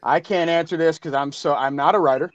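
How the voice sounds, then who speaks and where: A man's voice: on the high side, a little fast, muffled recording. Chatty self-deprecating man on a call. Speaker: podcast co-creator. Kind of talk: casual panel chat.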